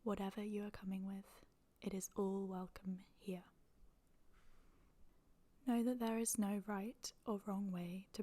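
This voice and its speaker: Soft, even-toned woman guiding meditation. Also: medium pitch. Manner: soft, breathy, near-whispered delivery; calm, soothing, gentle, with long pauses. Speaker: yoga nidra meditation guide. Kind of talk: guided meditation.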